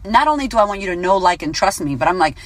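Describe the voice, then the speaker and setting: A woman in her late thirties, a business coach giving a casual motivational talk, blunt and animated, swearing freely. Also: lowish voice, racing, no room sound. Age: 30s. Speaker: business coach and podcast host.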